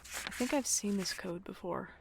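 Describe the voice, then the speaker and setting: A woman playing an uneasy, wistful character who speaks haltingly and confidingly in an audio drama. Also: medium pitch, creaky, slight background noise, natural voice, low-quality recording.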